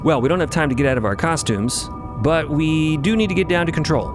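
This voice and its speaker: A man's voice: on the high side, a little fast. A man narrating a fiction podcast in a theatrical, emphatic storytelling style with casual asides. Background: music under the narration.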